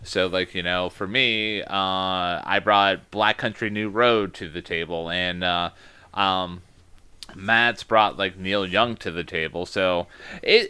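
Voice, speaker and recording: Male podcast co-host, lower-pitched, smooth and resonant, casual and rambling. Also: pushed and bright, dry recording. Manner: rambling, self-deprecating, lots of filler words.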